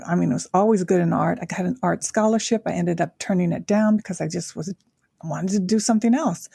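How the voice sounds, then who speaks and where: An older woman from Japan, a guest talking reflectively in a casual interview, pausing often with fillers. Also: lowish voice, creaky, warm tone, husky, dry recording, clean studio sound. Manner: reflective, with frequent pauses and fillers.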